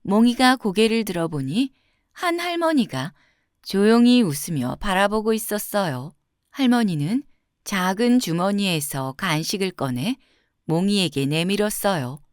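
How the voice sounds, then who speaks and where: A woman tells a children's fairy tale as a scripted narration. Her delivery is gentle and very melodic, phrase by phrase, with a close, dry sound. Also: medium pitch, a little slow, dry recording. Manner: gentle, expressive storytelling with clear phrasing.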